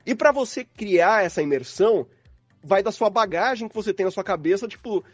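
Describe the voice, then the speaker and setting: High-pitched Brazilian man, dry close sound. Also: expressive, a little fast, no room sound, soft background music. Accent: Brazilian Portuguese. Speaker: podcast guest, audio drama sound designer. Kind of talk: casual podcast conversation.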